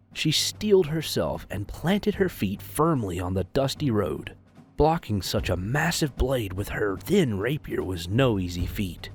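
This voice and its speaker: A man reading scripted story narration expressively as the narrator of an audio drama. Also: fairly low pitch.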